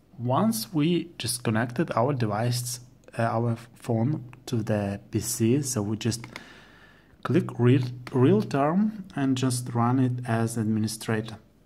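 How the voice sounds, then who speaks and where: A man's very slow delivery in a Lithuanian accent, medium-pitched and somewhat breathy, with a dark, mellow tone and long, frequent pauses. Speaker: tutorial video maker. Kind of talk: tutorial. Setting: screen recording voiceover. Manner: halting, hesitant. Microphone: phone near.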